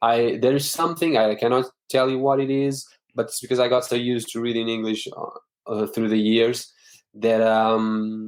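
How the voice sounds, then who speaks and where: A man with a Portuguese accent talks at a moderate pace. His pitch is medium and his intonation fairly even. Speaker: comic book artist and writer. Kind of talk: casual interview chat.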